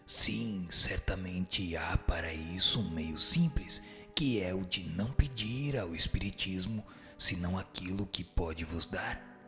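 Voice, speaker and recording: A man playing a wise, solemn spirit teacher in a radio drama, speaking in a measured, instructive way. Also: low-pitched, sharp tone, heavily acted. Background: music behind the voice.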